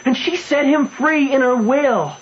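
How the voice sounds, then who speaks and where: Woman as an eager, boastful Southern boy, higher-pitched. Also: unhurried, muffled recording, a little hiss or hum. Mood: indignant. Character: excitable, proud, adventurous Southern boy. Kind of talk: radio drama acting.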